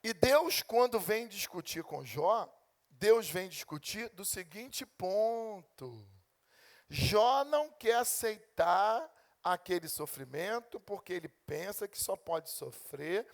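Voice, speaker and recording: A man preaching a sermon as a pastor with a Brazilian Portuguese accent, acting out God and his congregation in turn. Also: sits high. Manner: animated preaching, acting out God and complaining believers.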